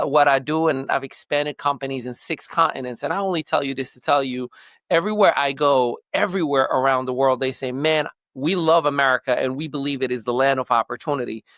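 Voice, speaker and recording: A man from Morocco hosts a podcast and tells stories in an earnest way, now and then pausing on fillers. His voice has an ordinary middle pitch and is recorded close and dry. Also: a bit bright, no echo. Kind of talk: casual podcast conversation.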